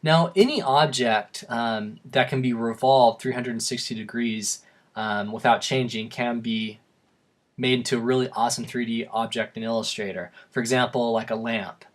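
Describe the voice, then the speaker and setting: Casual young man teaching software, voice tiring. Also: medium pitch, fairly even intonation, normal speed. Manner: casual, rambling, self-deprecating asides. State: voice going hoarse from repeated takes. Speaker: software tutorial host. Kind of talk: screen-recorded tutorial narration.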